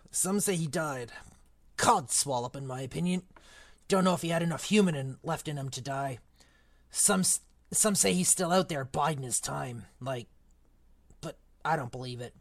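A man playing a big, gruff but kindly half-giant groundskeeper who talks in blunt, folksy, ungrammatical speech. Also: fairly high pitch, no echo. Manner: rough folksy grammar, blunt. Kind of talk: audiobook character reading.

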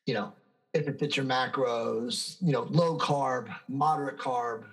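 A man's voice: medium pitch, fairly even intonation, unhurried, low-quality recording. Confident man in his fifties, a fitness guest who lectures emphatically, mid-range voice. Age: 50s. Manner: emphatic, self-assured, lecturing. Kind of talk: conversational interview answers.

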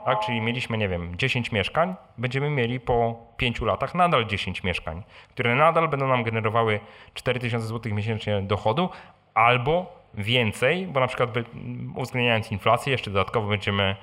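A man's voice: medium pitch, animated, moderate pace, fairly bright tone. A man hosting an informal live question session, explaining things conversationally and often adding short tag questions. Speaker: host answering audience questions, blogger. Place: live event with audience and microphones.

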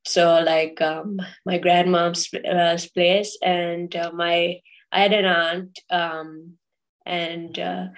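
Soft, flat-voiced woman from Sri Lanka. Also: fairly low pitch. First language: English. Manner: hesitant, many fillers and restarts. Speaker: guest. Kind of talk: casual interview talk.

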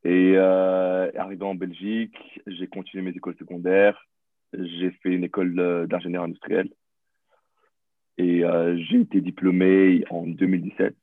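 A man's voice: low-pitched, no echo, phone-quality sound. A man in his thirties from Burundi, a podcast guest who answers with hesitant fillers and restarts. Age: 30s. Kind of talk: casual interview talk.

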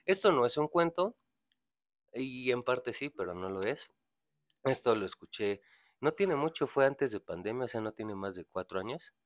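A man's voice: mid-range voice, animated, moderate pace, dry recording, clean studio sound. A young man with a Mexican accent telling a story in casual chat, slangy and profane, acting out the people in it. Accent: Mexican Spanish. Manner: slangy, swears a lot, acts out characters in his story.

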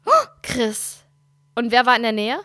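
A woman's voice: fairly high pitch, level tone, unhurried, fairly bright tone, dry recording. A woman in her thirties chatting casually as a podcast co-host, telling stories candidly and animatedly. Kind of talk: casual chat.

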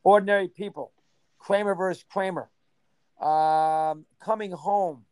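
A man in his sixties, reminiscing in a casual interview, rambling and rattling off names in quick bursts. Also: high voice, darkish tone, smooth, no room sound. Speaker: interview guest.

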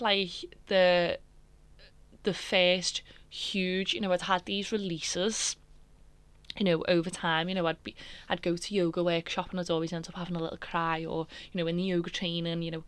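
A woman's voice: lowish voice, level tone, normal speed, clear, resonant tone, no room sound. A woman hosting a podcast, telling her own story in a candid, emotional, rambling way with many fillers. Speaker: podcast host.

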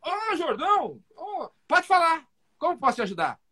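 A man's voice: very high-pitched, wildly swooping pitch, normal speed, bright, forceful tone, a little hiss or hum, voice pushed up, full character voice. A Brazilian man voicing a friendly male doctor who is surprised to get a phone call and answers in an eager, chummy way.

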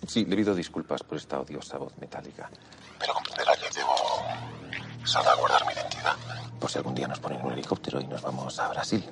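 A metallic, voice-modified robber chief. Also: male voice, steady tone, gravelly, very noisy. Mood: calm. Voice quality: unnaturally deep, metallic. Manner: polite, measured, formally courteous. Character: calm courteous male heist mastermind. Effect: voice modifier, deep metallic distortion. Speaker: robber leader negotiating by phone.

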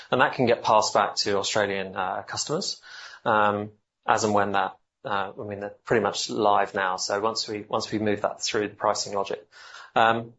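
A man answering questions as a company executive on an earnings call, explaining in halting, self-correcting phrases. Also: fairly low pitch, a bit bright, a little hiss or hum. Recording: dull, band-limited call audio.

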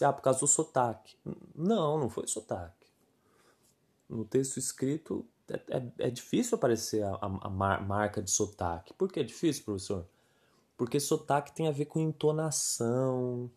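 A man's voice: on the low side, warm tone. A man with a Brazilian Portuguese accent, a language teacher and podcast host, going over a quiz in a casual, patient lesson and often tagging his sentences with little check-in words. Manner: chatty and patient, leans on filler tags like "né" and "tá".

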